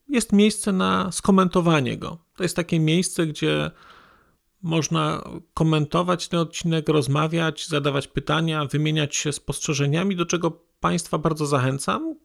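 A man's voice: fairly high pitch, creaky. A man addressing podcast listeners formally and politely as the host.

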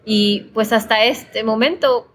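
A woman's voice: fairly high pitch, slow pace, a bit bright, a little hiss or hum. A woman from El Salvador, a podcast producer, talking as a guest in a conversational interview, thoughtful and often checking in with the listener. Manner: thoughtful, repeats words, frequent tag questions.

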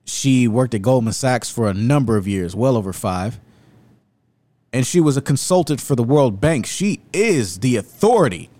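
A man's voice: mid-range voice, animated, moderate pace, mellow, no echo. Emphatic man delivering indignant commentary. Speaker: commentary host. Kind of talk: opinionated video commentary.

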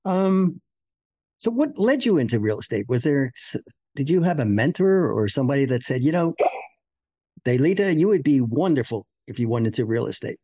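Guy hosting an interview, warm tone, swingy pitch, dry close sound. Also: big pitch swings, no echo. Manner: friendly, halting questions. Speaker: interview host. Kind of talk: interview, conversational.

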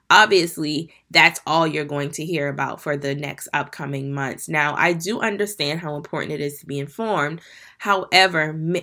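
A woman's voice: deep voice, a bit bright. A young adult woman hosting her own podcast, sounding stuffy and congested from allergies, coaching her listeners earnestly and calling them "you guys". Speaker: podcast host. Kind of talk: solo podcast talk to listeners.

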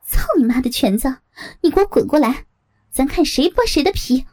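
A woman's voice: fairly high pitch, sing-song, brisk, creaky, slightly rough, heavily acted. Woman playing a hot-tempered brawling girl. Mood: enraged. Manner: shouting, foul-mouthed.

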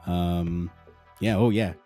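Sick guy hosting a podcast, low raspy voice, clearing his throat, chatting casual and jokey. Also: steady tone, slow, dark tone, soft background music. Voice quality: husky, raspy. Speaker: podcast host. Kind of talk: casual livestream chat.

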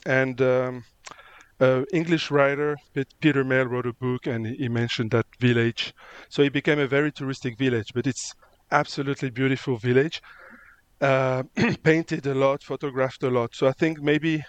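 Man, French accent, halting, pauses to find words, dry close sound. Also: mid-range voice, fairly even intonation, smooth, dry recording, highs cut off. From France. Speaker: photographer, guest. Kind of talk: interview answers.

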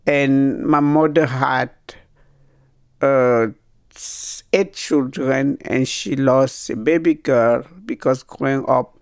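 A middle-aged woman from Cameroon, a native French speaker with a Cameroonian French accent, telling her life story haltingly, searching for words. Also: extremely low pitch, steady tone, a little mellow, no echo, clean studio sound. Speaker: guest.

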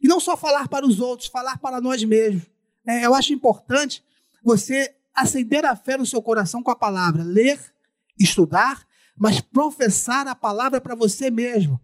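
A man's voice: very high voice, normal speed. A man with a Brazilian Portuguese accent preaching a sermon through a face mask, repeating phrases for emphasis.

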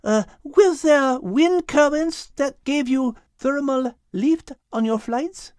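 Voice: high voice, slow pace, a little mellow, no echo, clean studio sound, voice pushed up. A performer voicing a clever, confident little female animal with a French accent, speaking precisely in an audiobook story. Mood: confident, explaining.

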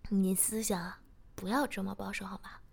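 A woman's voice: medium pitch, level tone, normal speed, creaky, husky. Teasing young woman friend, read by a woman.

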